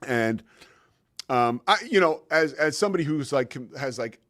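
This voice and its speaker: A man's voice: mid-range voice, animated, moderate pace, a bit bright, dry recording, studio quality. A man in his forties hosting his own show, telling a long personal story in a casual, rambling way with lots of fillers and restarts. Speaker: show host.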